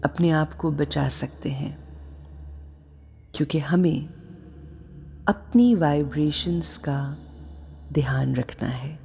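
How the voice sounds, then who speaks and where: Very slow, low-voiced woman guiding meditation. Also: gravelly, slight background noise. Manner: slow, soft and soothing, sometimes dropping to a whisper. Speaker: meditation guide. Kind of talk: guided meditation.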